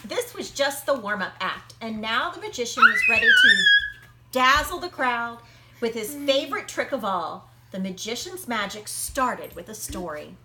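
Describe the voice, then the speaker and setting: A woman reading a children's picture book aloud, expressively, with dramatic pauses and emphasis. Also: a little high, big pitch swings, echoey room, very noisy. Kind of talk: animated children's read-aloud.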